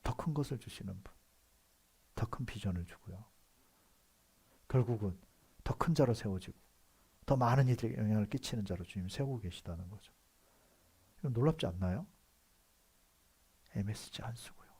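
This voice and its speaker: Pastor, male, Seoul accent, low husky voice; conversational sermon with quiet asides and loud bursts. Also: normal speed, pauses often. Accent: Seoul Korean. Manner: conversational preaching with frequent affirming "yes" asides; swings between soft asides and loud emphatic outbursts.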